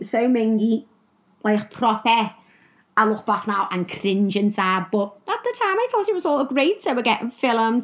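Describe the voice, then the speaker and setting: Middle-aged Liverpudlian woman, candid and blunt, swears freely while telling her life story. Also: fairly high pitch. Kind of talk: personal storytelling monologue.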